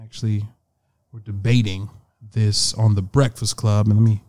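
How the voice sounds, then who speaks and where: A man's voice: on the low side, flat delivery, normal speed, mellow. A young man hosting a casual podcast chat, laid-back and chuckling, with lots of fillers. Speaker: podcast host.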